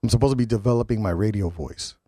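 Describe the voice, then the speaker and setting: A man's voice: on the low side, fast, dark tone, breathy edge, dry recording. A radio host with a head cold, sounding nasal, chatting loosely and joking with his studio guests. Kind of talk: casual community radio chat.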